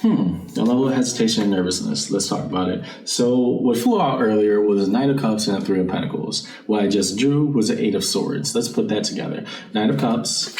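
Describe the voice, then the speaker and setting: A man's voice: on the low side, fairly quick, few pauses, a little mellow. A man giving a casual tarot reading, talking straight to the listener and thinking aloud in an informal way as the host. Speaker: tarot card reader and channel host. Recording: roomy, distant mic, faint background noise.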